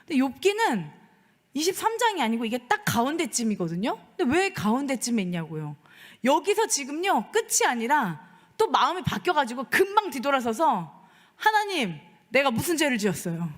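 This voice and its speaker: Female pastor, sermon, high voice that swoops widely, lively storytelling to the pews. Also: normal speed. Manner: animated storytelling, acting out quoted voices; speaks directly to the congregation. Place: church sanctuary. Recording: long hall reverb in a church.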